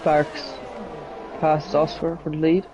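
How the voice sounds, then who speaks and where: A man's voice: fairly high pitch, completely flat delivery, slow pace. A man giving casual motorsport co-commentary with brief opinions on the race. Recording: dull lo-fi mic, faint noise.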